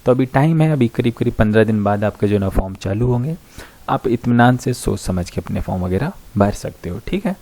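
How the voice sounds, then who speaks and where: In a fairly low, warm, expressive voice, an Indian man who teaches online briskly explains job vacancies to students. He walks through the notice point by point in a casual, conversational style, often adding brief check-in tags.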